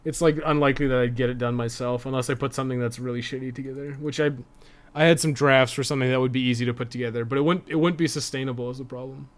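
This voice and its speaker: A man chatting casually to his viewers as a game streamer, informal and freely swearing. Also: medium pitch. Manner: informal, foul-mouthed. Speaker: video game live streamer. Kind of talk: casual livestream chat with viewers.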